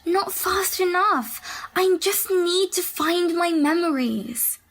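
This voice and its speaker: A woman's voice: very high-pitched, lively intonation, takes it slowly, fairly bright tone, heavily acted. A woman playing an irritable, gloomy young woman in an audio drama, terse and sardonic. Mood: glum.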